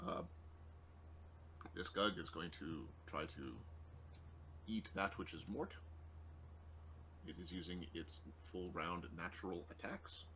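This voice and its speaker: A man acting as game master of a tabletop roleplaying game, talking casually and haltingly as he works through rolls and numbers. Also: sits low, pushed and bright, a little hiss or hum, poor audio. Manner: casual, halting while working out numbers aloud.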